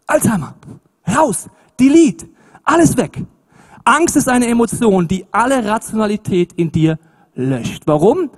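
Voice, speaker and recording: This preacher's very high voice has a breathy edge, and he keeps a measured pace. His sermon is animated, emphatic and colloquial, alternating loud emphasis with hushed asides.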